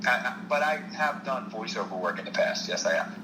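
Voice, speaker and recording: An actor and stunt performer from South Jersey, with a Philadelphia-area accent, gives earnest advice on a podcast interview, repeating key points for emphasis. His medium-pitched voice is animated and fairly quick, in a roomy space with background noise.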